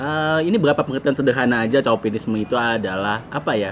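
This is a man talking. His pace is very fast. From South Kalimantan, Banjar. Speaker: podcast co-host. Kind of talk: casual chat.

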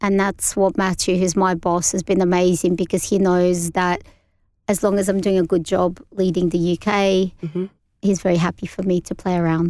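Speaking at a moderate pace with a slight Australian accent, a woman keeps a medium pitch and a monotone, flat intonation in a dark, mellow tone. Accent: slight Australian twang. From USSR, grew up in Melbourne Australia. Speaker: management consultancy executive. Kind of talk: interview.

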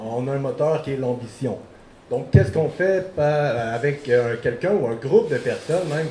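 There is noticeable background noise as a man talks at a moderate pace with ordinary pitch variation. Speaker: audience member. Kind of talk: public Q&A.

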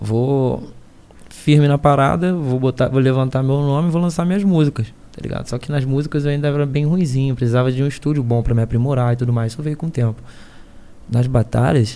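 A man talks at a medium pitch in a dark, mellow tone. His pace is fairly quick, with ordinary pitch variation. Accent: Carioca. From Rio de Janeiro. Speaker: battle rapper. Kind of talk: casual chat.

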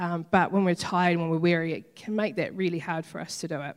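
The recording is very clean with a silent background, capturing a woman's medium-pitched voice. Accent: New Zealand. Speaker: preacher. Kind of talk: sermon.

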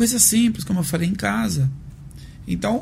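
A man talks at a moderate pace, with noticeable background noise in the recording. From Pernambuco, Brazil. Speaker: Pilates instructor. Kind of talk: casual interview.

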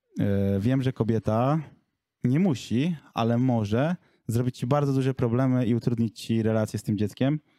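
A man speaks in a dark, mellow tone with ordinary pitch variation and very even loudness, the sound dry and close with no echo on a very clean recording over a silent background. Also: medium pitch for a man, moderate pace. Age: 30s. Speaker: podcast host. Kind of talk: casual chat.

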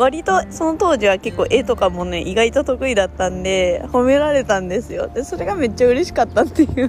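With hardly any pauses, a woman keeps up a fairly quick pace over noticeable background noise. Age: 20s. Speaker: podcaster. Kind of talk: casual chat. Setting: outdoors.

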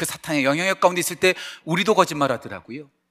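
A man with a bright, sharp tone, lively intonation and a very fast pace. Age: 40s. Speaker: pastor. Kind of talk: sermon.

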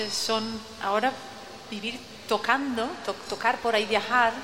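A woman with a Brazilian accent speaks in a fairly high pitch at a very slow pace. Noticeable background noise runs underneath. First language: Portuguese (speaking Spanish). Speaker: musician and DJ. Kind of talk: live radio interview. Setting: live broadcast from a restaurant venue. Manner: halting.

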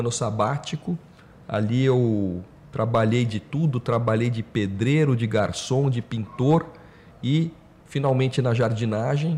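A man speaks at a very slow pace. His medium pitch shows ordinary variation. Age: 40s. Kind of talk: interview conversation.

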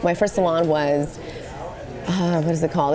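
With audible room echo and noticeable background noise, a woman with a fairly low pitch speaks at a fairly quick pace in fairly even intonation. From born in Ukraine, raised in US from age six. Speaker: hairdresser and salon owner. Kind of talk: live podcast interview. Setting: live recording with audience.

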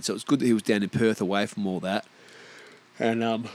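Using a put-on character voice, a man sounds raspy and fairly low-pitched, keeping a fairly even intonation at a fairly quick pace.

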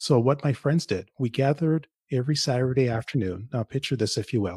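Recorded very cleanly against a silent background, a man speaks at a fairly quick pace with ordinary pitch variation. His somewhat breathy voice sounds dry and close, with no echo. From Canada, Toronto (Jamaican-born). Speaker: author and podcast host. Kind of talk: casual interview chat. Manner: animated.

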